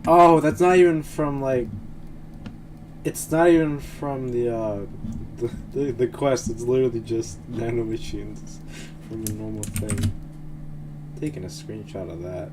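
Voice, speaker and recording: A man's voice: mid-range voice, steady tone, measured pace, background noise. A man streaming a game, chatting casually and rambling with frequent laughs. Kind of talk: casual live-stream commentary while gaming. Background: game music.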